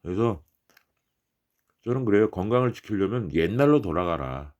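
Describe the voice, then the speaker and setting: A man's voice: lowish voice, lively intonation, moderate pace, darkish tone, muffled recording. A middle-aged man giving unscripted health advice straight to viewers in an emphatic, repetitive, politely urging way.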